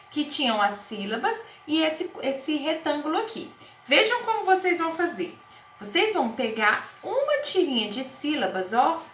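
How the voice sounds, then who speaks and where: A woman with a Brazilian Portuguese accent teaching first graders in a recorded online class, talking slowly in a sing-song, exaggerated way. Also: sits high, fairly bright tone. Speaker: primary school teacher. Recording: echoey room, faint noise.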